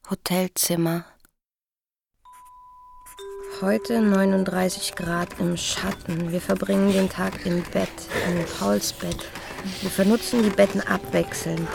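An actress playing a wry, playful young East Berlin woman in a radio play, with a deadpan, clipped, diary-like delivery. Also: mid-range voice, a little slow, vocal fry, background noise. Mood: matter-of-fact. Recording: music behind the voice.

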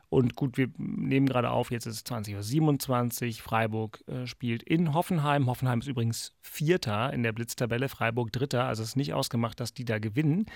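A man's voice: medium pitch, vocal fry, dry recording, studio quality. A man hosting a casual football talk in a wry, ironic manner. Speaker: football podcast host.

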